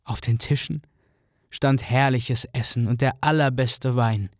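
A man narrating a fairy tale in a radio play with an even, storytelling manner. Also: medium pitch, unhurried, no room sound, studio quality.

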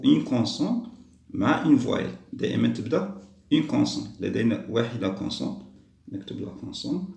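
A man walking young pupils through a lesson, slowly repeating each step in two languages. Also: mid-range voice, creaky, mellow, roomy sound. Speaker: teacher. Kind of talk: primary school lesson walkthrough.

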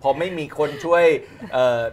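A man's voice: normal speed, a crowd in the background. A man hosting a TV family show in a studio, chatting and teasing his guests in a joking way. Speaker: TV show host. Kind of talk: lively studio chat. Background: background music.

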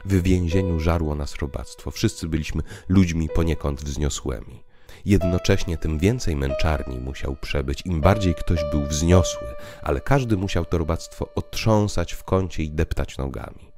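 Man acting a very deep, weary condemned revolutionary. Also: moderate pace. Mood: bitter. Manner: rhetorical, philosophizing, ironic. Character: weary condemned male revolutionary, skeptical, grandiloquent. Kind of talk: dramatized audiobook monologue. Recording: piano music underneath.

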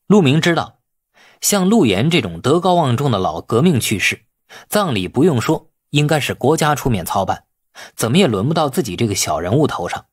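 Male narrator, dramatic audiobook delivery, slightly rough husky tone, very dry recording. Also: medium pitch, very animated, normal speed, dry recording. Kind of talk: dramatic scripted storytelling.

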